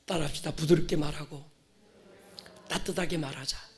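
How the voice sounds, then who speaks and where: A man in his fifties preaching to a congregation as a pastor, exhorting them with swings between hushed asides and forceful declarations. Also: fairly high pitch, steady tone, moderate pace. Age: 50s. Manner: prompts listeners to respond and repeat. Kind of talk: fervent sermon to a congregation.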